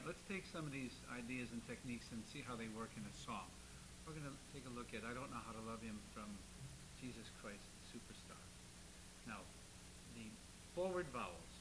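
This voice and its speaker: A man teaching a singing lesson, coaching with upbeat cues and quick demonstrations. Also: mid-range voice, noisy background.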